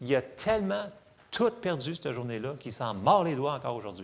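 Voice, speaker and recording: A man in a Quebec accent, animated, with very wide pitch swings. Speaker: pastor. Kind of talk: sermon, preacher in full flow, teaching with scripture, rhetorical questions and prayer. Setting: church. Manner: animated, conversational and earnest; urgent, forceful, commanding when praying and declaring.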